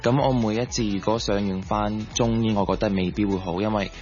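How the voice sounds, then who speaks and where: A low male voice with tells personal stories as a radio guest, mixing in English words. The sound is a little dull, with music playing behind him. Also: steady tone, fairly quick, a little mellow. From Hong Kong. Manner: mixes English words into Cantonese. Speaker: interview guest, sports coach. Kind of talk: personal storytelling in a radio interview.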